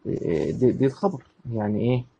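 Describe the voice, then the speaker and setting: A man's voice: mid-range voice, sing-song, fast talker, gravelly, mellow, slightly rough. A man with an Egyptian accent teaching Islamic law. He reads a line from a classical book and then explains it in everyday speech, often asking a question and answering it himself. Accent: Egyptian Arabic. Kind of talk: lecture explaining a classical text.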